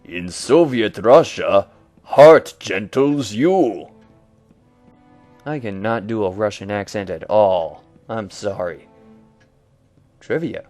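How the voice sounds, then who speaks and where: A man's voice: fairly low pitch, darkish tone. A young man casually commentating a video game with dry, joking asides. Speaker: let's-play commentator.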